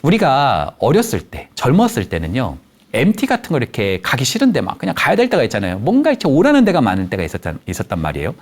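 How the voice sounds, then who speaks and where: A man's voice: medium pitch, fast. A man who counsels people from children to the elderly, giving a lecture and telling anecdotes that he acts out in the voices of the people he quotes. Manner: animated storytelling, acting out quoted voices. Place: lecture studio.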